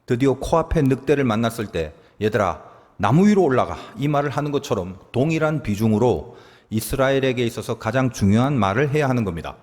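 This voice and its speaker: A man's voice: medium pitch, animated, fast, a little mellow. A man preaching a sermon as pastor, talking animatedly and acting out quoted lines. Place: church sanctuary. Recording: long reverb of a church hall.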